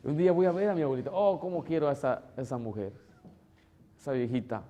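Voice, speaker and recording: A man preaching a sermon as pastor, emotional, moving between loud exclamations and soft, tender asides, sometimes acting out relatives in a higher tone. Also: lively intonation, fast talker. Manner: acts out voices of relatives in a higher tone.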